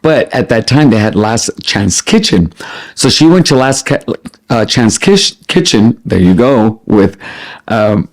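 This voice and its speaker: A middle-aged man chatting casually as a vlogger, expressive and prone to wandering off on tangents as he answers questions. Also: fairly low pitch, unhurried. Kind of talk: casual chat to camera, answering listed questions.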